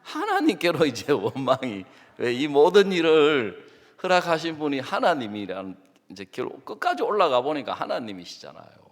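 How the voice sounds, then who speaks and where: A male pastor preaches dramatically in a hall with long reverb, acting out his arguments and prayers at a normal pace. His high-leaning voice swings hugely in pitch, dropping to hushed asides and rising to loud outbursts, and he often puts short questions to the congregation.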